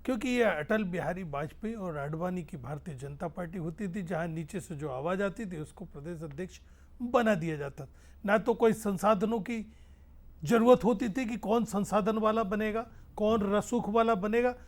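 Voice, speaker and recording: High-voiced male panelist. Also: normal speed. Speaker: political panelist. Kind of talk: animated political debate.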